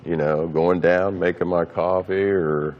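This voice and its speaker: Guy on a talk show, really low voice, short flat matter-of-fact answers. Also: a little slow, lo-fi sound. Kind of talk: interview answers.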